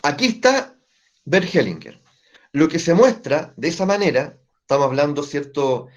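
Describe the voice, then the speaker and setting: A man teaching family constellations to a group, explaining step by step and often checking in with his listeners through quick tag questions. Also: fairly high pitch, sing-song. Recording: dull lo-fi recording.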